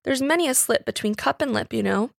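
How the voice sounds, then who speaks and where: A woman's voice: fairly high pitch, animated, a little fast, creaky, no room sound, studio quality, full character voice. Woman reading as a genteel, amused master of the house. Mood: reasoning, advising. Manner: formal, reasoning, gently condescending.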